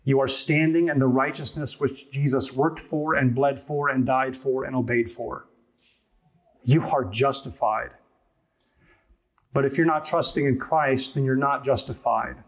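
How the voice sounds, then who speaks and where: Husky-voiced man preaching a sermon. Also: mid-range voice, steady tone, a little slow. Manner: earnest, emphatic preaching with rhetorical questions. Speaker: pastor.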